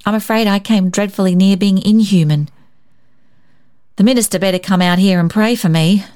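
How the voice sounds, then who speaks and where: A woman's voice: medium pitch, steady tone, moderate pace, dark tone, voice pushed up, natural voice. A woman voicing a forthright, proud village aunt humbly confessing, in a storybook reading. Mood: remorseful.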